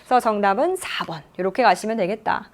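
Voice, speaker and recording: A woman English teacher giving a lively exam explanation lecture from a studio, reading English lines slowly and explaining them in Korean. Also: medium pitch.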